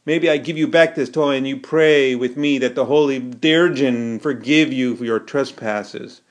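A man's voice: medium pitch, a little slow, natural voice. A man voicing a pompous foreign lunar army officer in an audiobook, in broken English with odd consonant sounds. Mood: condescending.

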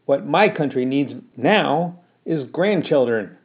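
Man putting on a scolding older country mother, rustic dialect, louder and higher, tinny phone-like sound. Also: lively intonation, slow pace. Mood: stubborn.

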